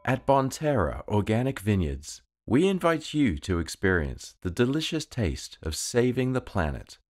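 A British man delivering polished commercial voice-over with measured, deliberate phrasing. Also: medium pitch, very animated. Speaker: voice-over artist.

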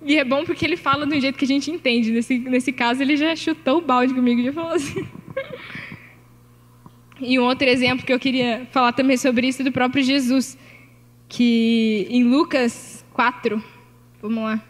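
Brazilian woman pastor, high voice, chatty sermon delivery with tag questions, long reverberant hall. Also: steady tone, fairly quick. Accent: Brazilian Portuguese. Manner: chatty, conversational preaching with frequent tag questions and laughter.

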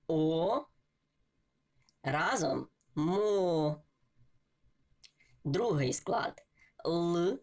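A woman's voice: on the low side, darkish tone. A woman giving a patient reading lesson for children, sounding out syllables letter by letter. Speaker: reading teacher.

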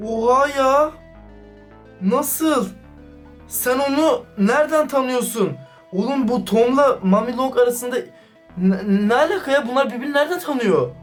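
A man doing excited, casual vlog commentary, slangy and talking straight to his viewers. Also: extremely high pitch, moderate pace. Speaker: YouTuber reacting to a chat. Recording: distant mic with background music.

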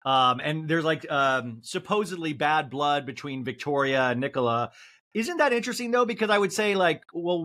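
A man in his forties hosts a casual pop culture chat from a room at home, speaking over a video call. His voice sits a little high for a man, and he talks in an animated, joking way. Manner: animated, jokes, mimics celebrities in a high voice. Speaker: podcast host. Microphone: video call with earbuds.

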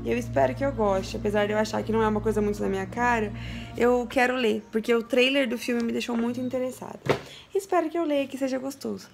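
Chatty young woman with a gravelly voice. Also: on the high side, fast talker, music in the background. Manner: chatty, emotional, laughs and cries with joy. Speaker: book vlogger. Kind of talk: casual reading vlog. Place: home, her bedroom.

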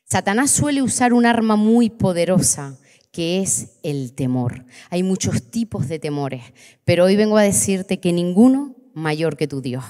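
A woman, preaching and giving her testimony, impassioned, slowing down on key words for emphasis. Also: on the low side, expressive, warm tone. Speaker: preacher leading a church workshop. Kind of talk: sermon with personal testimony. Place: church hall. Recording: long reverberant church hall.

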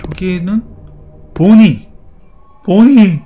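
A man's voice: sits high, extremely slow, dark tone. A man playing a horror game and commenting, teasing the characters in playful chatter. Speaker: gaming YouTuber.

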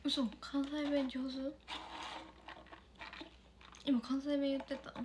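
Giggly high-voiced young woman streamer. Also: level tone, slow pace, background noise. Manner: giggly and playful, laughing often. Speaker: idol livestreamer. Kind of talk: casual live stream chat reading comments.

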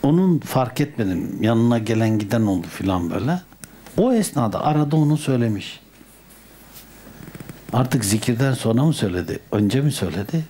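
A man, a Sufi sheikh, giving an unhurried religious talk with storytelling that often sinks to a soft murmur. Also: mid-range voice, big pitch swings, slight background noise.

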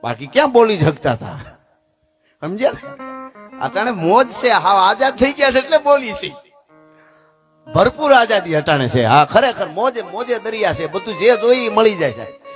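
A man, telling a folk tale on stage in a lively, joking, conversational way. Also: high-pitched, moderate pace, long pauses, faint music behind. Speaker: folk storyteller. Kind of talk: Gujarati folk storytelling performance.

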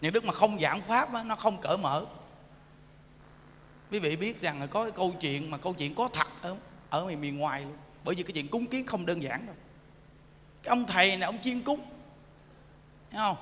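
A man giving an animated sermon as a Buddhist monk, teasing the audience and often asking them if they understand. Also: high voice, a little fast, pauses often, slight background noise. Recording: echoey hall.

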